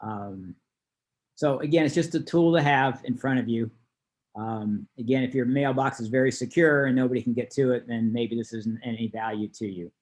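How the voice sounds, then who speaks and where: A man's voice: mid-range voice, normal speed, a little mellow. Man teaching an informal online class. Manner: conversational, explanatory. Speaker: class instructor. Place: online video call.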